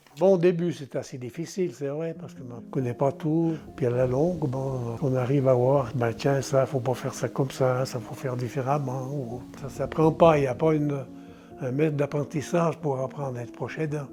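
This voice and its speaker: A man talks at a moderate pace with a fairly high pitch and ordinary pitch variation. His loudness swings widely, and there is noticeable background noise. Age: 80s+. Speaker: family caregiver, retired butcher. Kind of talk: interview testimony; casual chat while cooking. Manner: hesitant, with fillers.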